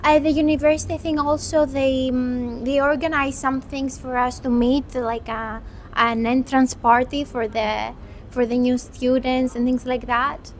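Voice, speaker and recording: A Greek medical student in her twenties, answering interview questions in a thoughtful, unhurried way with some restarts. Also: sits high, steady tone, slight background noise. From Greece. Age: 20s.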